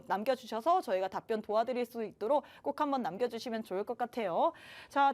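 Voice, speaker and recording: A woman's voice: sits high, darkish tone. A woman hosting a live stock show in a chatty, promotional way, urging viewers directly to join in. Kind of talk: promotional live broadcast presenting.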